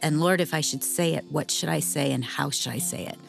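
A woman's voice: sits low, a little fast, creaky, soft background music. A middle-aged woman co-hosting a faith-based marriage show, talking earnestly and candidly about her feelings. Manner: heartfelt and candid, speaks openly about feelings. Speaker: co-host of a marriage radio show.

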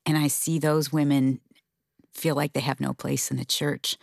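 A middle-aged woman speaks candidly and with animation, laughing easily. Her voice sits low and has a gravelly fry. The sound is dry and close. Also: little pitch movement, normal speed, darkish tone, dry recording. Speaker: podcast co-host. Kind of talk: casual conversation about faith and marriage.

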